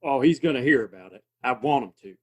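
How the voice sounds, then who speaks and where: A man acting a gruff, stubborn saloon owner in a Western audio play, with a husky voice. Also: mid-range voice, expressive, quick pace, a little mellow. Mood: defiant.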